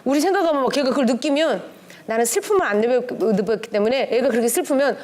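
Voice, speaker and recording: A middle-aged woman with a somewhat high voice teaches a church class in a relaxed, conversational way. She keeps things lively, slipping into different tones to act out bits of dialogue. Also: fast talker. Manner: lively, acts out quoted dialogue with shifting tones. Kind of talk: conversational lecture on family relationships.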